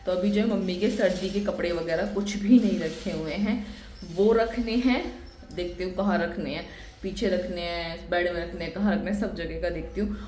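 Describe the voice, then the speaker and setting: A young woman from India chatting casually to her viewers as a vlogger, talkative and quick to laugh, filming on a phone around her family home. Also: lowish voice, darkish tone, a little hiss or hum. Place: family home, indoors and outdoors.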